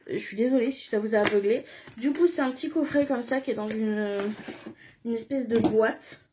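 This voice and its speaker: Young woman doing a makeup haul, gushy and excited, repeats stuff, kinda high but mellow voice. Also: slight background noise. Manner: gushing, enthusiastic, repeats words for emphasis. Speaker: beauty vlogger. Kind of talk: casual haul video chat.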